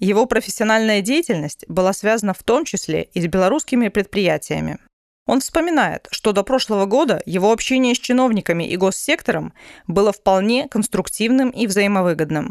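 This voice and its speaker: Lively in intonation, a woman speaks at a moderate pace and medium pitch in an unremarkable speaking voice. The sound is dry and close with no echo, and the background is quiet. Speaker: podcast host. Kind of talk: narrated interview. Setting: video call.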